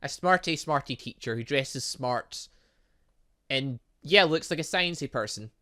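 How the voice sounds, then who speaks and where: A man doing casual, rambling and excitable commentary as he plays a story game and reads its text aloud. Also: mid-range voice, measured pace. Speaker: gaming channel host.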